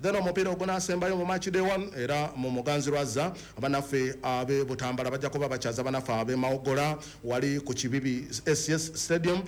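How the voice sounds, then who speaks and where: A man's voice: mid-range voice, steady tone, fast, few pauses. A man with a Ugandan accent presenting a football discussion, mixing English words and phrases into his speech. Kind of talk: sports discussion.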